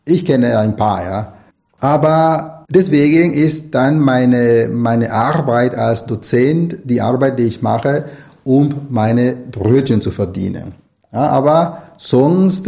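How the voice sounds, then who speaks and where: Nicaraguan guy, spanish native, middle-aged, gravelly mellow voice, rambles thoughtfully in an interview. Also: medium pitch, takes it slowly. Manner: thoughtful, rambling, many restarts and fillers. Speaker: author and language lecturer. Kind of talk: interview answers.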